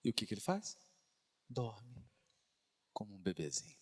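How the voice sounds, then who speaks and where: A man's voice: lowish voice, big pitch swings, normal speed, a little mellow, slightly rough. A man giving a spiritist lecture, telling a story with rhetorical questions to the audience. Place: lecture hall. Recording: reverberant lecture hall.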